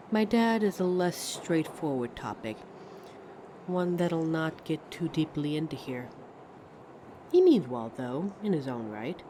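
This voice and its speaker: A woman's voice: low-pitched, dark tone. A woman playing a friendly, lonely train passenger in a hesitant, reflective ASMR roleplay monologue, chatting to a stranger. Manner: hesitant, musing, reflective, trailing off. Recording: vehicle noise behind voice. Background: train ambience sound effects.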